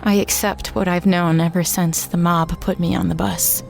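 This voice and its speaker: A low-pitched, weary small-town reporter woman, recounts eerie events. It is first-person audio drama narration, laid over a clear bed of music. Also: level tone, moderate pace. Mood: haunted, resigned. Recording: prominent music bed under the voice.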